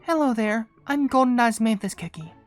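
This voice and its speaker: A man voicing a polite, earnest young female cookie traveler from a game, in a gentle storytelling way. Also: extremely high pitch, lively intonation, moderate pace, faint music behind, pitched above the performer's own voice.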